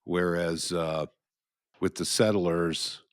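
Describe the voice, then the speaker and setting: A man's voice: low voice, steady tone, takes it slowly, smooth, no echo, studio quality. A man co-hosting a podcast in casual philosophical chat, rambling with frequent restarts and chuckles. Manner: rambling, restarts often, laughs at own jokes. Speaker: podcast co-host.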